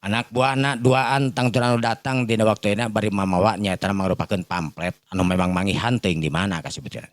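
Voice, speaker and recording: Male Sundanese storyteller, low-pitched and dry-recorded, improvising a rambling folk tale for listeners. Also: fairly even intonation, a little fast, hardly any pauses, no room sound. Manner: rambling, repetitive filler phrases.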